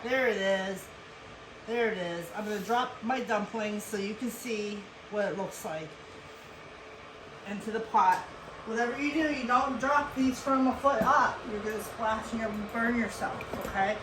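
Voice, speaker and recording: A woman from Western Pennsylvania hosting a casual cooking demonstration, chatty and instructive, with frequent asides. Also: fairly high pitch. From Western Pennsylvania, USA. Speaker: cooking show host. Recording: echoey room with clear background noise.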